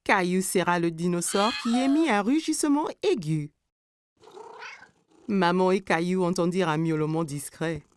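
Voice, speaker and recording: A woman's voice: lowish voice, normal speed, a little hiss or hum. A woman giving scripted narration for a children's story as its narrator. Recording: faint music behind the voice.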